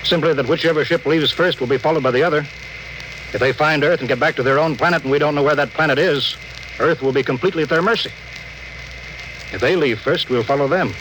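An actor as a stern starship captain. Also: male voice, fairly high pitch, quick pace, a bit bright, natural voice. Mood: grave commanding. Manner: clipped, authoritative, grave. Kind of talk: 1950s radio drama acting. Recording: noisy old radio broadcast.

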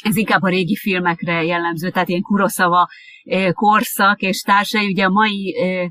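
An interviewer in a relaxed conversation who talks thoughtfully, with frequent filler sounds and restarts. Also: mid-range voice. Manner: hesitant, many filler sounds. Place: lives in Japan.

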